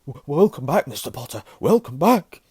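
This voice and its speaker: An old storybook barman, acted by a male narrator, awestruck and close to overcome. His delivery is emotional and swings widely in pitch, recorded dry. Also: animated, fast talker, dark tone, no room sound, natural voice. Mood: tearful welcome. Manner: exclaiming in awe.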